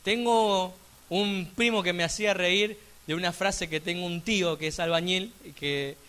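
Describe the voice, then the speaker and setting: A man with an Argentine accent preaching a sermon in church, emphatic, with sudden loud rising peaks and chatty asides. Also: high voice, steady tone, normal speed, clean tone. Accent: Argentine Spanish. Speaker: pastor.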